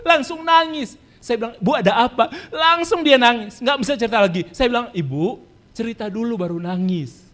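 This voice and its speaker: Male pastor, high animated pitch, storytelling sermon that acts out voices and repeats key lines. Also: fairly quick.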